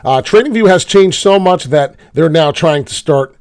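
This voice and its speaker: A man hosting a live crypto trading show, a little hoarse from being sick, rambling through charts with lots of filler words. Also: a little high, lively intonation, normal speed, darkish tone. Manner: rambling, many "uh" fillers, pleads for likes and subscribes. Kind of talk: casual live market commentary.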